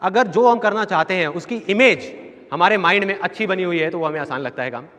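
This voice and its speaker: High-voiced man lecturing a hall. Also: a little fast. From India. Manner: lively storytelling with acted voices. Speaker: motivational speaker. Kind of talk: live seminar talk. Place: large hall with an audience. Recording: echoey hall with audience.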